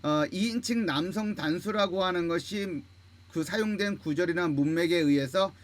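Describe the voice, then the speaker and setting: High-voiced man teaching syllable by syllable. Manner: drills words slowly, syllable by syllable, asks and answers his own questions. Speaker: Hebrew grammar teacher. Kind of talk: lecture.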